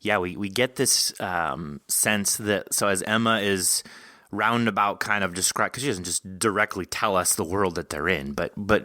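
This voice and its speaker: A man hosting a casual interview podcast, with a fairly low voice that comes across bright and forward. He rambles enthusiastically through long thoughts, and the recording is dry and close. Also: no room sound. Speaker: podcast host. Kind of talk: casual interview chat about fiction.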